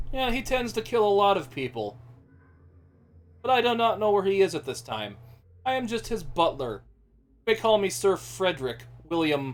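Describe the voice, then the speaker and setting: Putting on a character voice, a man goes raspy and high-pitched, his pitch swinging very widely as he moves at a moderate pace with long, frequent pauses. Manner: formal, polite.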